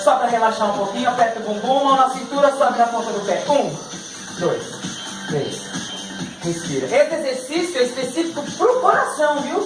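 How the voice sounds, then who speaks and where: A man's voice: extremely high pitch, very animated, a little fast, roomy sound, over music, low-quality recording. A middle-aged Brazilian man leading a home exercise class, cueing moves and counting reps with an upbeat, laughing manner. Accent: Brazilian Portuguese. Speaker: fitness instructor. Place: living room at home.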